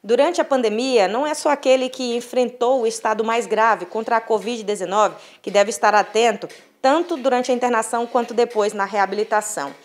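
Female news reporter, a little high-pitched, steady formal read. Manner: measured, formal delivery. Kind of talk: scripted news narration.

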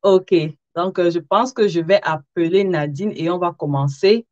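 In a dry recording, a sewing content creator with a low-leaning, darkish voice at normal speed hosts a live interview show and chats casually with viewers. Somewhat tired, she talks to them directly and chuckles between phrases, and the livestream sound is dull and lo-fi.

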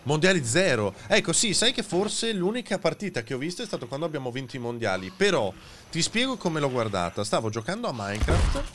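A male streamer chatting casually while playing a game, relaxed and given to casual swearing. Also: fairly high pitch, a little fast, few pauses, slight background noise. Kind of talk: casual gaming chat.

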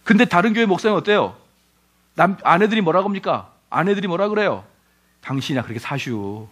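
Animated high-pitched male pastor. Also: fast. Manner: animated, asks the audience rhetorical questions, acts out quoted voices. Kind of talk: lecture-style sermon.

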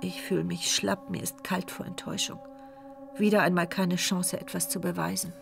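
A woman's voice: medium pitch, a little slow, lightly acted. An actress voicing the wounded, frightened narrator and heroine of a radio play, speaking her intense inner monologue over music. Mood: tense. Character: injured woman narrator, frightened and desperate. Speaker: first-person narrator and heroine.

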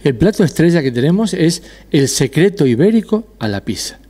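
A middle-aged man from Argentina, a restaurant owner and dentist, answering interview questions in a measured way with frequent hesitations. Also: on the high side, sing-song, dark tone, husky. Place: decorated restaurant patio. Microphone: handheld interviewer mic.

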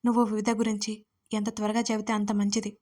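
A woman's voice: mid-range voice, flat delivery, fast, darkish tone, lightly acted. A woman reading the lines of a frank, caring young man, a friend in a narrated audio story, direct and urging. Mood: earnest.

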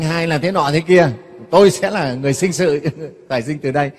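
A man's voice: on the high side, big-room sound. A man giving a Buddhist sermon, talking to his audience in a conversational way and often asking if they follow. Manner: conversational, keeps asking "nghe không?" to the audience. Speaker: Buddhist monk giving a dharma talk.

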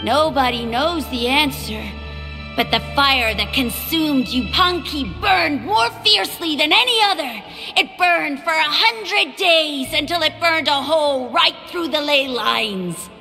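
A woman voicing a boyish young tribal kid who tells legends dramatically and slowly. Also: sits high, animated, pushed and bright, big-room sound, faint music behind, full character voice. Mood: dramatic. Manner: dramatic, drawn-out storytelling. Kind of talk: game voice acting.

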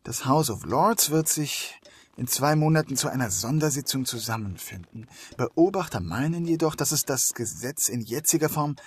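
A sardonic male detective inspector in a crime audio drama, acted by a man. His voice is husky and moves widely in pitch. He comes across as dogged and pointed. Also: lively intonation, moderate pace. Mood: reading out.

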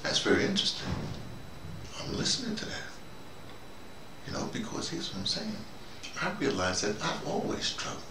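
An older American man giving a rambling, halting conversational monologue, repeating himself and speaking colloquially with emphasis. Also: lowish voice, wildly swooping pitch. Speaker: host, storytelling activist. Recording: noisy, roomy, distant microphone.

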